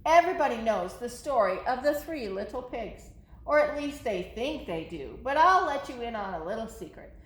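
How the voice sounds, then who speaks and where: A folksy storybook wolf, acted out by a woman, chatty and forever excusing himself. The delivery swings widely in a high-pitched voice. The room sounds echoey. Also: animated, normal speed, natural voice. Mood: aggrieved, confiding. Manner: chatty, protesting innocence. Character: self-justifying folksy wolf telling his side.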